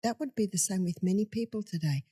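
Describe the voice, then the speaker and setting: A woman's voice: mid-range voice, fast talker, warm tone, husky. An older woman speaking as a guest in a conversational interview, emphatic and storytelling, acting out quotes. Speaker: health speaker.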